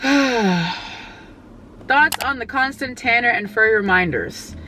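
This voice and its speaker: A woman in her twenties chatting casually to camera, answering viewer questions with jokes, lots of "like" and sudden loud outbursts. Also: a little high, animated, takes it slowly, noisy background. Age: 20s. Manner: playful, laughs often, jokey and oversharing; bursts into loud exclamations.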